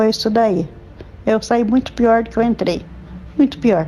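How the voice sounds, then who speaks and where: The voice has ordinary pitch variation at a fairly slow pace. Noticeable background noise runs beneath it. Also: woman. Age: 60s. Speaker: former church worker giving testimony. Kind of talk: testimony. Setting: recorded voice message.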